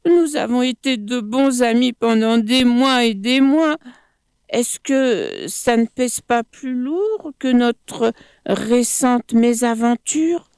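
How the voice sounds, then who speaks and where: A naive male crocodile from a storybook, his voice pitched high and sing-song with eager pleading, as a woman puts him on. The sound is dry and close, with no room around it. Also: expressive, takes it slowly, darkish tone, smooth, no room sound.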